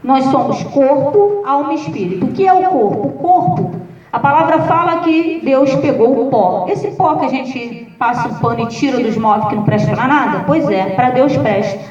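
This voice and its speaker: A Brazilian woman pastor delivers a sermon in a high voice, telling stories with humor. She sounds distant in an echoey room, and the recording is dull and muffled. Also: normal speed, faint music behind. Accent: Brazilian Portuguese. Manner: lively, humorous storytelling with acted quotes.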